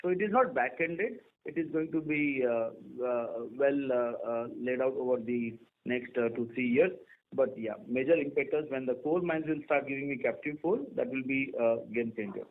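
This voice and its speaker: A man with an Indian accent, a company executive answering an analyst in halting, piecemeal phrases. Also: mid-range voice. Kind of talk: answering an analyst on an earnings call. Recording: tinny phone or radio-like line.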